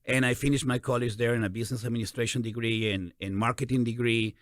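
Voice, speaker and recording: A man in his forties with a Peruvian Spanish accent, hosting a casual interview in an animated, encouraging way. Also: mid-range voice, fast talker, no echo, studio quality. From Peru. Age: 40s. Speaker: interview host.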